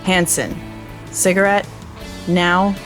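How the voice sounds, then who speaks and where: A woman's voice: fairly low pitch, level tone, slow pace, music in the background. A woman playing a wistful, wry traveller in an audio drama, with an understated, dry delivery. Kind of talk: naturalistic audio drama acting.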